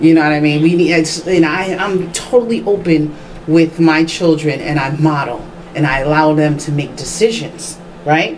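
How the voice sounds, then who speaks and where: This woman's voice is very deep and low, moving at a moderate pace with fairly even intonation as noticeable background noise plays. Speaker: panel guest. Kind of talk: casual panel discussion. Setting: studio.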